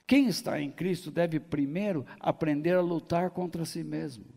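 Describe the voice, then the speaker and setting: A man's voice: a little high, normal speed, vocal fry, a little mellow. A man preaching a sermon as pastor, in a folksy way, joking and acting out the people he quotes. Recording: long hall reverb.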